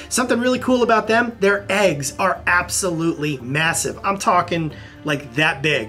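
Faint background music behind a man talking at a moderate pace. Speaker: presenter. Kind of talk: educational commentary. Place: home room.

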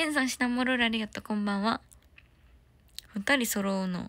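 A woman speaks with a Korean accent and a bright, sharp tone. Her pitch varies in an ordinary way. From South Korea. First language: Korean (speaking Japanese). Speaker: idol singer; idol livestreamer. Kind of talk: casual live stream chat. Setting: at home. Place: home room. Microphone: phone near.

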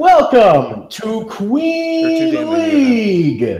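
A high-pitched, put-on character voice comes with a slight echo and faint music in the background. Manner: booming.

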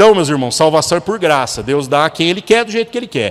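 Speaking at a very fast pace, a man uses a fairly high pitch. His pitch swings very widely. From Brazil. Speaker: pastor. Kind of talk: sermon. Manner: casual, conversational. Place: hall. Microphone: handheld.

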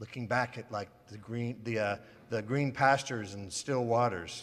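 A man with lively intonation speaks at a moderate pace over a quiet background. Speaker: priest. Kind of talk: sermon. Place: church. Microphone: lapel.

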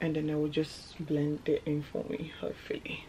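A woman with a very deep, low pitch speaks over light background noise. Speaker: vlogger. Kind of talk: casual vlog chat. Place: home room. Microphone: camera far.

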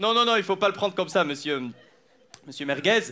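The speech moves at a moderate pace with ordinary pitch variation. Light background noise can be heard. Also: man. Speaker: comedian playing a recruiter. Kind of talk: comedy sketch monologue. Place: stage. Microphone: headset.

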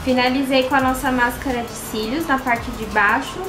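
Over faint background music, a woman with a high pitch speaks at a moderate pace in a monotone, flat intonation. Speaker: beauty vlogger. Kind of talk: tutorial. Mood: cheerful, friendly. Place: home room.

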